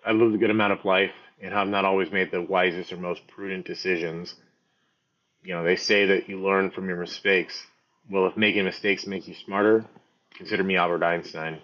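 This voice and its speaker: A man in his thirties with a fairly low voice hosts a podcast as a scripted comic monologue. His delivery is dry, sardonic and freely profane. The recording sounds a little dull and muffled. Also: flat delivery, brisk. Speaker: podcast host.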